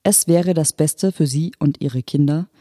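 A reader voicing an unfeeling hologram official who speaks in a calm, matter-of-fact, bureaucratic manner. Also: mid-range voice, a little slow, no room sound, clean studio sound, close to an everyday voice. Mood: detached. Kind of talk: audiobook character voice.

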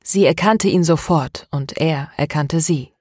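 A woman narrates a novel in a steady, measured way, her voice low. The recording is close and dry, with no room around it. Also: husky, no room sound. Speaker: audiobook narrator. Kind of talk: scripted narration.

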